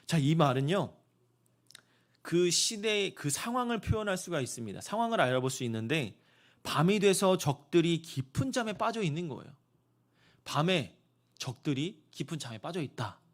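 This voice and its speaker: A young adult man giving a sermon to high school students, telling the story lively and acting out the soldiers' talk. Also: moderate pace. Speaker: youth pastor.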